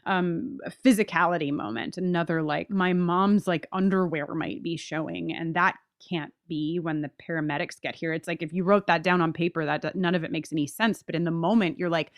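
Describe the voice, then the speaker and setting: Female podcast co-host, slightly low pitch, casual but emphatic analytical chat, very dry recording. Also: fairly even intonation, brisk, hardly any pauses, no echo.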